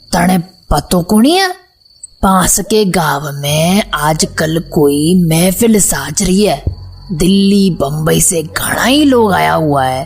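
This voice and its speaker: The voice is a put-on character voice. Its pitch is middle and its speed fairly slow. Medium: audio drama. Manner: proud, teasing, homely.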